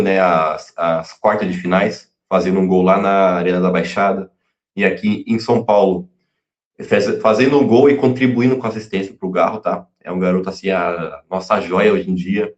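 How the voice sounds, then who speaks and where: A man giving casual pre-match football talk, halting, full of fillers and restarts. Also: on the low side, a little mellow. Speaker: fan channel pundit. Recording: echoey room, dull lo-fi sound.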